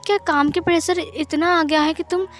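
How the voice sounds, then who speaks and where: A woman's voice: very high-pitched, steady tone, normal speed, soft background music, pitched above the performer's own voice. Hurt, pleading young man, read by a woman. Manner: pleading and confused.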